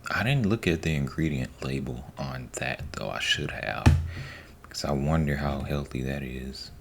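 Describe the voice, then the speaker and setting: A man giving a soft-spoken ASMR ramble, unhurried and repetitive, sometimes slipping into a whisper. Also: extremely low pitch, gravelly, noisy background. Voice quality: soft, partly whispered delivery. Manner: unhurried, rambling, repeats himself. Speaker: ASMR host.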